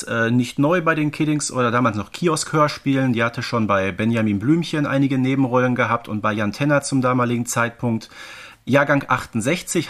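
A man's voice: mid-range voice, a bit bright. A man from the Ruhr area co-hosting a podcast, giving informative commentary in a chatty way with frequent question tags. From Ruhr area, Germany. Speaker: podcast co-host.

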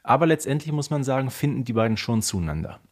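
A man's voice: mid-range voice, sing-song, fast. A man co-hosting a podcast, explaining things about fictional characters in a casual, emphatic, conversational way. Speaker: podcast co-host. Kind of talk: casual fan discussion of audio drama characters.

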